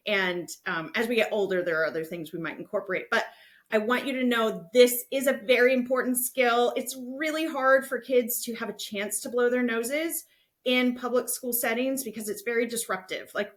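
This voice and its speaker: High-voiced woman hosting a podcast. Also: animated, moderate pace, fairly bright tone. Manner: conversational, instructive, reassuring. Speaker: podcast host. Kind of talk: explanatory podcast talk addressed to parents.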